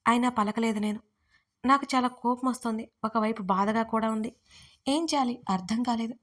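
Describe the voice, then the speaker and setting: A young woman narrating a first-person story in an expressive, emotional reading. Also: a little high, normal speed.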